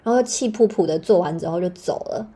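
A young woman with a Taiwanese Mandarin accent tells a personal story on her podcast. Her voice is mellow and slightly husky. She talks in an animated, dramatic way and swears freely. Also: lowish voice, fast. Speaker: podcast host.

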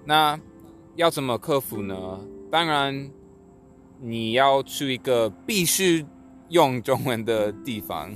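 A man who speaks Mandarin as a second language explains things casually, phrase by phrase, with pauses. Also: mid-range voice, lively intonation, fairly bright tone, faint music behind. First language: not Mandarin, a learner of it. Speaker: co-host, Chinese learner.

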